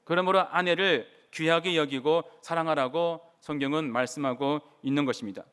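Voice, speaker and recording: Clear, high-voiced Korean male preacher. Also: normal speed, fairly bright tone. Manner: earnest preaching, asks the congregation questions. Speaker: pastor. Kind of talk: sermon. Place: church sanctuary.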